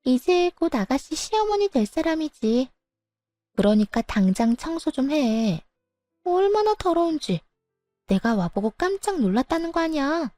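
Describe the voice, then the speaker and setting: A woman's voice: high-pitched, big pitch swings, unhurried, dark tone, no echo, faint music behind, pitched above the performer's own voice. A woman voicing a brash, bossy middle-aged mistress who scolds shrilly in a storybook reading.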